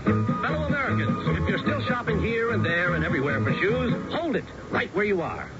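A man delivering a scripted radio ad as a mock-oratorical pitchman. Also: wildly swooping pitch, fairly quick. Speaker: commercial pitchman. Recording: muffled old radio broadcast with music.

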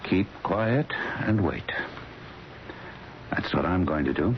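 Radio drama role: blunt, steady doctor, extremely low voice, few words, dull vintage sound. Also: male voice. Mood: curt, calm. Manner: curt, blunt, measured. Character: gruff, unflappable doctor, curt with worried relatives. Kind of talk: old-time radio drama acting.

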